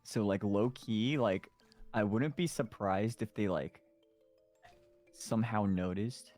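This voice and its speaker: A man's voice: on the low side, slow pace, darkish tone, soft background music. A young man chatting casually, giggling often and filling his speech with likes and ums. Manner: giggly, lots of fillers and gasps. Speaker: streamer. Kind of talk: casual chat.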